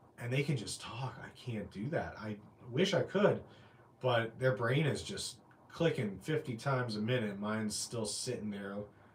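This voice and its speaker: A man speaks at a fairly slow pace with lively intonation and a medium pitch. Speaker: prepping YouTuber. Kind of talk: livestream chat with viewers. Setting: live stream. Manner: casual, hesitant.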